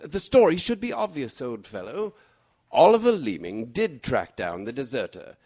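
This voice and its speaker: An actor playing a shrewd, composed gentleman detective in a radio mystery, explaining precisely and deliberately. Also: medium pitch, very animated. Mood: assured, explanatory. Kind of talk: old-time radio mystery acting.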